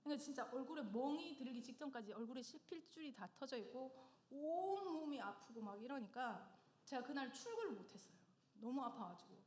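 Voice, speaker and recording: A middle-aged woman giving a personal testimony in church, telling her story with lively humor and frequent laughter. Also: on the high side, a little hiss or hum. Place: church sanctuary. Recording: echoey church hall.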